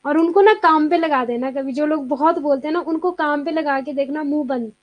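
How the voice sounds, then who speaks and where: A young woman with a high, bright voice runs a live online class, chatty and quick to answer students' comments. She mixes English terms into her explanations. The sound is dry and close, with no room around her. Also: no echo, dull audio. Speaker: exam coaching teacher.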